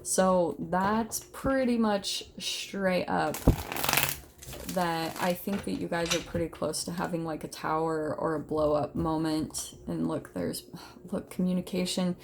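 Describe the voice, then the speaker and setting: A woman's voice: on the low side, fairly even intonation, measured pace, creaky, noisy background. A woman giving a casual, unscripted tarot reading, talking informally and directly to her viewers with emphatic, conversational phrasing. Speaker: tarot reader, host of an online reading.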